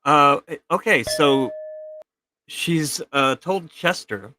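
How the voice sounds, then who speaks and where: A man's voice: on the high side, lively intonation, slow pace, bright, forceful tone, a little hiss or hum. A man hosting a live show, giving casual, joking quiz-style commentary on a video. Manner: playful, joking.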